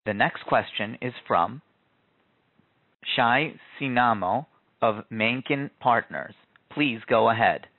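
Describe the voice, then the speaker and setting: A man's voice: medium pitch, slow, pauses often, dry recording. A man working as a conference call operator reads out scripted instructions. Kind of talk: scripted announcement. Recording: dry, phone-like conference line.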